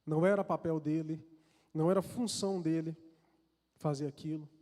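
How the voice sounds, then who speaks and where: A man's voice: on the high side, fairly even intonation, normal speed, dark tone. A man with a Brazilian accent preaching a sermon, telling a personal story in an earnest, confessional way, often repeating and restarting words. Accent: Brazilian Portuguese. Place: large church hall. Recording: long reverb of a church hall.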